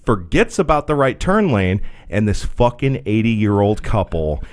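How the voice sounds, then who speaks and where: A man telling a profane, animated story in casual podcast chat. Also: lowish voice, unhurried. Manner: animated, profane, laughs a lot. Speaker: podcast host.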